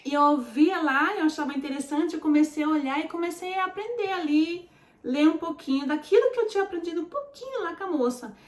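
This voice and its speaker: A woman's voice: extremely high pitch, brisk, roomy sound. A Brazilian woman in her forties with a Brazilian Portuguese accent, casually telling her story to viewers, chatty and full of fillers. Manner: chatty, addresses viewers as "gente", many fillers. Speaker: vlogger.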